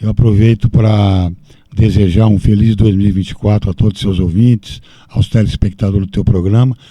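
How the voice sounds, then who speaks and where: The loudness holds very even throughout, with a monotone, flat intonation. The tone is dark and mellow, and the sound is dry and close with no echo. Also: man, fairly low pitch for a man, moderate pace. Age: 70s. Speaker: businessman and newspaper columnist. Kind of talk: radio interview. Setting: radio studio.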